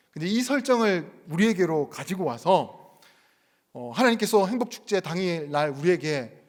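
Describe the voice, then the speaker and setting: Man preaching in a reverberant church. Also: on the high side. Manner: conversational storytelling, rising to earnest exhortation. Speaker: pastor. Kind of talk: sermon. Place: church sanctuary.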